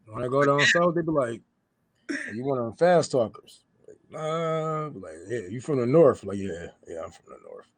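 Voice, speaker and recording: A man's voice: mid-range voice, lively intonation, normal speed, no room sound. Laid-back man, livestream co-host, slangy casual talk, dry close sound.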